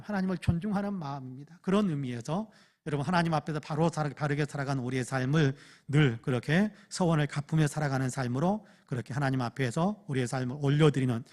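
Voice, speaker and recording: A man preaching at a Friday prayer meeting, moving between loud, fervent acted prayers and quiet, intimate asides. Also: a little high. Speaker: pastor. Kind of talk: sermon. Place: church.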